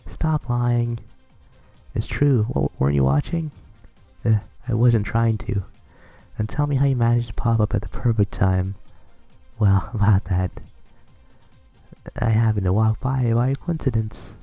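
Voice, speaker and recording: A man's voice: medium pitch, measured pace, vocal fry, pauses often, soft background music, voice pushed up. A man voicing an angry, hot-tempered teenage schoolgirl scolding someone. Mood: furious. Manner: shouting, scolding.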